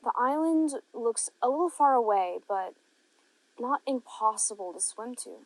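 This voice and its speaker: A woman narrating a guided meditation, giving gentle, unhurried instructions with long pauses between phrases. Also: a little high, no echo, poor audio.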